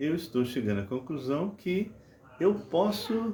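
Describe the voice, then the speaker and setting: This man's fairly high voice, somewhat breathy and dark, mellow in tone, moves at a very slow pace through very wide pitch swings. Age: 70s. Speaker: pastor and missionary. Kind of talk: sermon. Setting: livestream.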